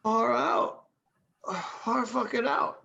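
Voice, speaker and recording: Woman as a slow-drawling male slacker stoner. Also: on the high side, steady tone, creaky, sharp tone, highs cut off, exaggerated voice. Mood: laid-back. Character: laid-back, bewildered male slacker stoner. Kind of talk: amateur virtual table read.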